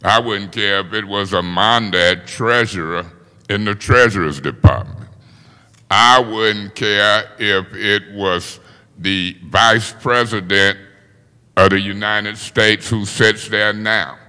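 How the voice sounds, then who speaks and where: A man's voice: on the low side, slow pace, sharp tone, smooth, in a large hall. A man chairing a city council meeting as its president, speaking in an informal, folksy way in council chambers. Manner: informal, folksy speech with plain talk.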